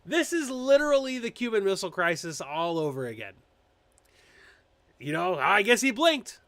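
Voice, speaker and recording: A political commentary host with a high-sitting voice speaks at normal speed in a dry recording. Hosting a casual live stream, he chats loosely and animatedly, pokes fun at public figures with mocking impressions, and keeps filling in and restarting his sentences.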